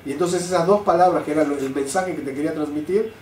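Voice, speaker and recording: An older man, a rabbi, giving a Torah class, lively and full of rhetorical questions. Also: a little high, fast talker. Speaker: rabbi teaching. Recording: roomy sound, mic at a distance, faint noise.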